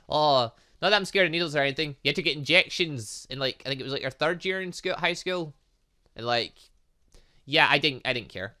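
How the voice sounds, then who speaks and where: A young man hosts a casual gaming commentary in a bright, forceful voice. His pitch moves up and down a lot as he rambles, thinks aloud and mutters little filler sounds to himself. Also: lively intonation, normal speed. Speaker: gaming channel host. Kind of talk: casual let's play commentary on a visual novel game.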